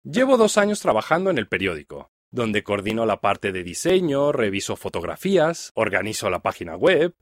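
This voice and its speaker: A middle-aged man from Mexico with a Mexican Spanish accent, reading a first-person text aloud for language learners in a clear, even delivery. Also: on the low side, normal speed, hardly any pauses, no room sound. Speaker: reader of a listening text.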